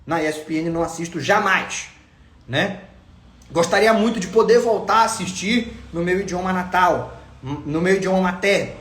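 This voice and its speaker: A man's voice: sits high, normal speed, a bit bright, roomy sound. A Brazilian man hosting a football channel, giving insistent, opinionated commentary and repeating his points for emphasis. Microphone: home recording.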